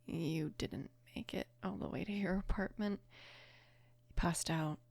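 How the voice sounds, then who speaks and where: A woman of about twenty playing a caring, apologetic mafia boss's daughter in an intimate ASMR roleplay, soft-spoken and hesitant, with a breathy, creaky voice. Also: on the low side, a little slow, no echo. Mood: gentle, reassuring. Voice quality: breathy, whispery with heavy creak.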